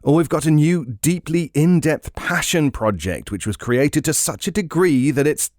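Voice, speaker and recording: A man's voice: a little high, lively intonation, normal speed, a little mellow, dry recording, studio quality, close to an everyday voice. An actor playing a curious, easygoing British podcast host in an audio drama, chatting informally and hesitantly as he thinks aloud. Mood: unsure, intrigued. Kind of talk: naturalistic audio drama dialogue, casual banter.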